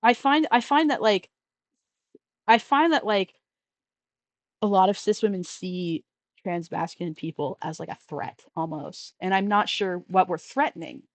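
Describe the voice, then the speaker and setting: A trans man hosting a casual call-in show, talking in a rambling way with many restarts and trailing off quietly. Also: high voice, a little slow, no echo. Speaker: podcast host taking call-ins. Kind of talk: casual conversational chat.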